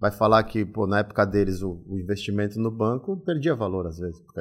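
In a normal speaking voice, a man delivers his words fairly quickly, his pitch varying in an ordinary way. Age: 40s. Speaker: investment expert. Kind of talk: casual chat. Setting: studio.

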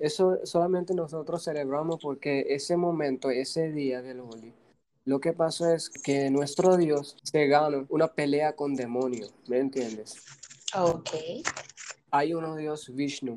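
Pitched fairly high, a man speaks at a fairly slow pace with fairly even intonation. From India, Punjab. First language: Punjabi (speaking Spanish). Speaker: interview guest. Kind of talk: casual chat. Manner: halting.

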